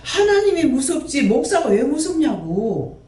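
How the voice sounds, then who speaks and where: A man's voice: very high-pitched, big pitch swings, unhurried, a little mellow. A man who runs a prayer house, preaching a sermon and scolding his listeners with one rhetorical question after another. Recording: roomy echo, mic at a distance.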